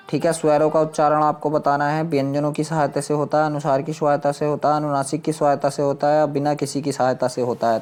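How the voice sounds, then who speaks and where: A man's voice: fairly high pitch, a little mellow. A man teaching exam questions, reading them out and explaining answers step by step in a repetitive way with frequent check-in tags. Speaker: exam-prep Hindi teacher. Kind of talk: lesson, reading out and solving quiz questions.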